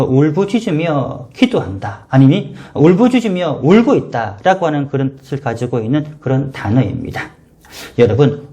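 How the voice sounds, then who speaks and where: A man's voice: medium pitch, dark tone. A male pastor preaching a sermon for a home worship service, earnest and emphatic, building to fervent appeals.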